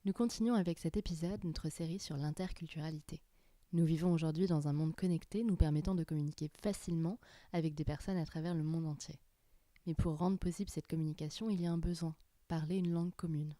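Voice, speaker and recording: Mellow low woman, dry podcast host. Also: fairly even intonation, fast, no room sound. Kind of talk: scripted intro and interview questions. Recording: dry close studio sound.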